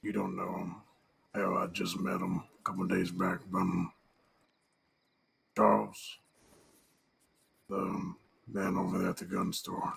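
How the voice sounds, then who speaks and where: Using a put-on character voice, a man speaks in a very deep, low, raspy register at a moderate pace, leaving long, frequent pauses. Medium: game stream. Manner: halting, gruff.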